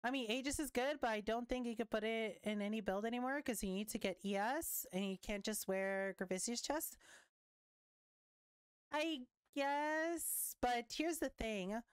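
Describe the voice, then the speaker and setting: A young woman talks through game update notes in a loose, reactive way, tossing in casual swears. Her voice is smooth and clear but starting to wear out. It is recorded close and dry, with no room sound. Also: fairly high pitch, measured pace, no echo. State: losing her voice. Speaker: gaming content creator. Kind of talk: casual commentary reading patch notes.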